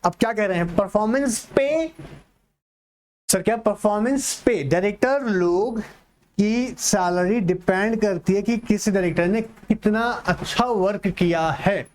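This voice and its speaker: A man teaching an exam-prep lecture online, mixing Hindi with English terms and slowing down to read English text aloud. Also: sits high. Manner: asks and answers his own questions, slows to read English text aloud. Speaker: online tutor.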